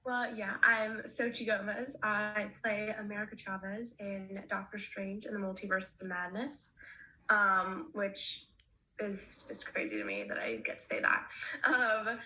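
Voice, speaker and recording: A woman's voice: mid-range voice, measured pace, bright, forceful tone, poor audio. A young woman, an actress speaking as a panel guest, chatty and giggly with many fillers. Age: young adult. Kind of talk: panel discussion.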